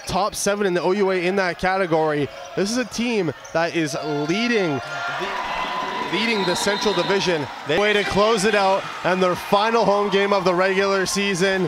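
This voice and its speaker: A man with a high pitch speaks in an animated tone at a moderate pace, with ordinary pitch variation and very even loudness. The sound is dry with no echo, though noticeable background noise is present. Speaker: color commentator. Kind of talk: live sports commentary. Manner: animated, conversational analysis. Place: stadium.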